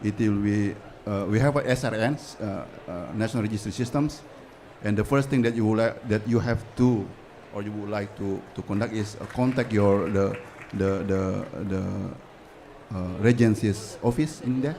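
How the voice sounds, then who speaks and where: A man with an Indonesian accent answering audience questions on a panel, halting and repeating words often. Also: fairly low pitch, dark tone, a little hiss or hum. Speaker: government panelist. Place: conference pavilion.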